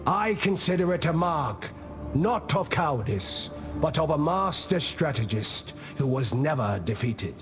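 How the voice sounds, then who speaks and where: Old tribal sage, unhurried, solemn, philosophical, mid-pitched, game dialogue over music. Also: male voice, sing-song. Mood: proud. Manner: measured, solemn, contemplative. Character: wise old male tribal elder, reflective and philosophical. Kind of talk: scripted video game character monologue.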